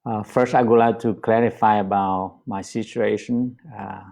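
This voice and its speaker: Brief: male Buddhist teacher, Vietnamese accent, gentle halting delivery, low pitch. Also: steady tone, creaky. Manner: slow and gentle, many pauses and fillers. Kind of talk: dharma talk on a livestream.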